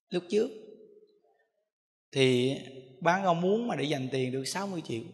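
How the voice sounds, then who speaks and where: A man, a Buddhist monk, telling a story in a sermon, animated and acting out voices. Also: on the high side. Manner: animated, acts out voices, chuckles often. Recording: reverberant hall.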